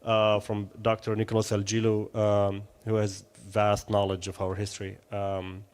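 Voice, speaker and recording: A man's voice: on the low side, monotone, normal speed, a little mellow, clean tone. A man from Syria in his thirties, a filmmaker guest answering questions in a live interview, hesitant with many fillers and restarts.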